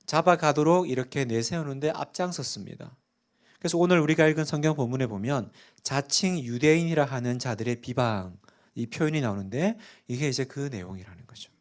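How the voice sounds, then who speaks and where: In a church sanctuary, a middle-aged pastor preaches a sermon and often puts questions to the congregation. His voice is medium-pitched and brisk.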